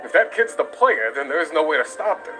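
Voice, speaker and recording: A man's voice: on the high side, big pitch swings, a little fast, pushed and bright, faint music behind. A man voicing a reluctant, pragmatic young skeleton in a comic dub, casual and skeptical. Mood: reluctant, reasoning.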